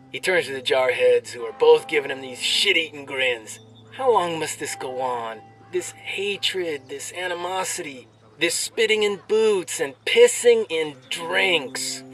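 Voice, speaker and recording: An actor playing a brash, crude army soldier telling jokes with swaggering military banter and drawn-out delivery. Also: male voice, fairly high pitch, fairly bright tone, far from the mic, close to an everyday voice. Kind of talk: military banter, performed joke storytelling.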